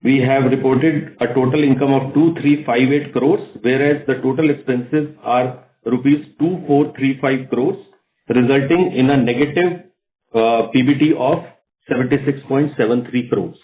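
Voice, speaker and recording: A man's voice: mid-range voice, steady tone, moderate pace. A man with an Indian accent formally and methodically presenting financial results as a company executive. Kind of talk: scripted investor presentation. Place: conference call. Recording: roomy, narrow phone conference line.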